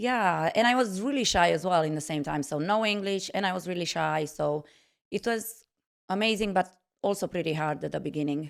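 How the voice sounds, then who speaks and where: In a very clean recording with a silent background, a woman of medium pitch talks at a fairly quick pace with lively intonation. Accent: Romanian. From Romania. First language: Romanian. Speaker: former Olympic gymnast and fitness coach. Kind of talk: interview.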